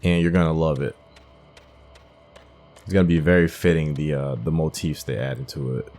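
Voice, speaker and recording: Very deep-voiced man doing game commentary. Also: fairly even intonation, moderate pace, a little mellow. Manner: rambling, musing. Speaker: gaming host. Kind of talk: casual playthrough commentary. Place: game commentary with game music behind.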